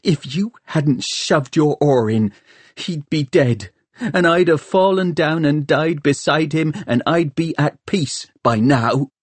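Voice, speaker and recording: A man's voice: medium pitch, slow, hardly any pauses, a little mellow, breathy edge, no echo, voice pushed up. A man voicing a fierce, vengeful young woman in an audiobook, snappish, blunt and mocking. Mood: bitter. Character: fierce, bitter, injured young woman bent on revenge. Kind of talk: audiobook character dialogue.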